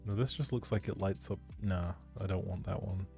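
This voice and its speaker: Soft background music plays under a low, creaky, dark-toned male voice at normal speed. The game streamer muses to viewers in relaxed livestream chat while he plays a life-simulation game.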